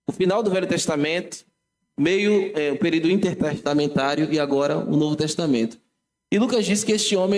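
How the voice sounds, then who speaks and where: A man's voice: on the high side, darkish tone. A man with a Brazilian Portuguese accent, a pastor teaching a Bible class in church, talking conversationally and correcting himself as he goes. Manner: conversational, self-correcting, addresses congregation directly.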